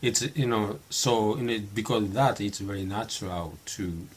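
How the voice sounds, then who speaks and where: Halting Japanese-accented middle-aged man. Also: lowish voice, slight background noise. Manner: halting, many fillers and restarts. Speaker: vlogger practicing English. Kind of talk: unscripted spoken monologue.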